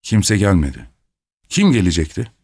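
A grumpy old doorkeeper, read by a man with a deep, low voice that is muffled and husky. He gives short, evasive answers and wants to be left alone. It is told as a storybook reading. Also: big pitch swings, moderate pace, darkish tone, full character voice. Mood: curt. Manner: curt, evasive replies.

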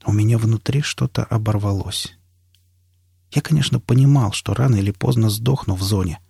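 A man narrating an audiobook in the first person in a steady storytelling manner. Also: lowish voice, normal speed, vocal fry, slightly rough, no room sound, studio quality.

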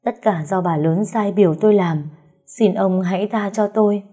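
A woman's voice: medium pitch, normal speed, dark tone, breathy edge, soft background music, natural voice. A woman voicing a frightened female household servant who stammers as she confesses. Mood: pleading. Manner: trembling, stammering.

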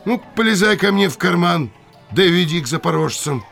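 An actor playing a naive, awestruck young village blacksmith in an audio drama, exclaiming in a folksy, wondering way. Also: male voice, high voice, expressive, moderate pace, gravelly, fairly bright tone, soft background music, full character voice. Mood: hesitant, then commanding. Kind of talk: theatrical audio drama acting.

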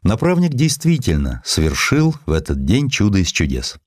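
A man's voice: fairly low pitch, wildly swooping pitch, normal speed, no room sound, studio quality. A man reading a literary story as an audiobook narrator, in a theatrical, dramatic storytelling style.

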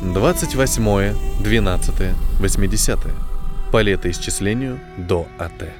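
A man narrating a science fiction story in an audiobook, with expressive, scripted delivery. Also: sits low, unhurried. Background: background music.

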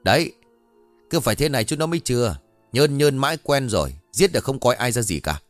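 A scornful village neighbor sneers in a quick, raised voice at two caught troublemakers. A male narrator puts on the part in a dry, close recording. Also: medium pitch, lively intonation, dry recording, faint music behind, natural voice. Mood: mocking. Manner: rapid, mocking.

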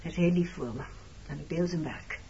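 A woman acting in a radio play as a hurt, reproachful married woman facing her former lover, speaking in a measured, intimate, accusing way with a slightly husky voice. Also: deep voice, dark tone, heavily acted. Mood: wistful, subdued. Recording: dull lo-fi old radio recording.

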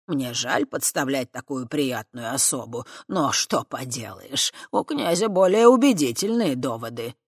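Reader doing old horned grandpa creature, slow heavy words, sly, dry close sound. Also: male voice, mid-range voice, expressive, slightly rough, dry recording. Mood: persuasive. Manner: slow, weighty, calculating.

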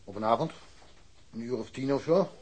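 A dismissive policeman in a radio crime drama, played by a male actor. His voice is a bit husky and mid-pitched, and he gives his account bluntly, in an offhand, colloquial way. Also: a little fast, a little mellow, lightly acted, poor audio. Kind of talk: Dutch radio drama acting.

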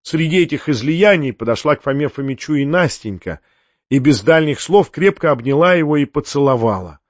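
A male audiobook narrator with a somewhat high voice, telling a classic story in a lively way. The recording is dry and a little dull, with no room sound. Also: brisk, dry recording. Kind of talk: scripted narration.

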